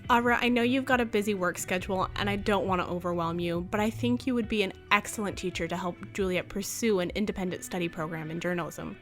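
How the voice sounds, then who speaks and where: A woman's voice: medium pitch, fast talker, hardly any pauses, fairly bright tone, soft background music, lightly acted. A woman playing a gracious, encouraging school leader in an audio drama, speaking politely and rather formally.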